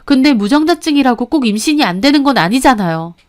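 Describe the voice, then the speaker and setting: A woman tells her own story in the first person, radio-story style. Her voice is smooth and resonant, and her telling stays earnest. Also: high-pitched, expressive, quick pace, darkish tone. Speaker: narrator.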